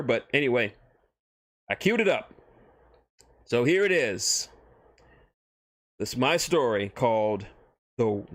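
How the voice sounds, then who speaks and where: A man talking casually and reading a story on a livestream, informal and halting, often correcting himself. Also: medium pitch, no room sound. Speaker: streamer and fan fiction writer.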